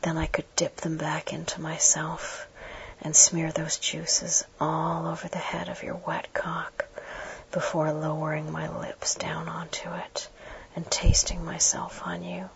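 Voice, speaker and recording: Slow whispered role-play, woman close in your ear. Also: deep voice, monotone. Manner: intimate whispering, as if right in the listener's ear; slow, hushed, instructing the listener directly. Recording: dull muffled audio with clear background noise.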